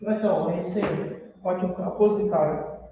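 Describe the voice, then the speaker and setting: A man's voice: high voice, a little fast, background noise. A man with a Brazilian accent teaching a class on customer service, telling stories and acting out customers and clerks. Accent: Brazilian Portuguese. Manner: animated storytelling, acts out customers and clerks. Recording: echoey room, far from the mic, dull sound.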